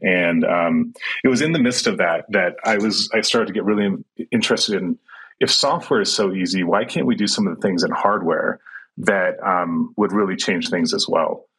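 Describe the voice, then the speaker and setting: Middle-aged guy, really low voice, kinda husky, lots of ums and restarts, explaining stuff in an interview. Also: normal speed, fairly bright tone, low-quality recording. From Sudan and Kenya. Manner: thoughtful, many fillers and restarts. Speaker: tech entrepreneur guest. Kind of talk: casual interview answers.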